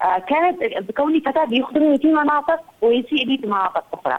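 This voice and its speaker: A woman speaks with an Aden accent and lively intonation. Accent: Yemeni (Adeni) Arabic. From Yemen, Aden. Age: 30s. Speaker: photographer and cultural activist. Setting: phone call.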